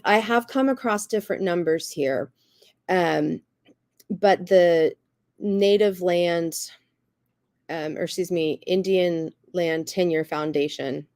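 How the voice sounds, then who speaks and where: A woman with a slightly raspy voice and a cough, earnestly explaining things as a guest speaker, often saying "you know" and "um". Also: lowish voice, a little mellow, dry recording, studio quality. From Cherokee Nation. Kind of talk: explanatory talk.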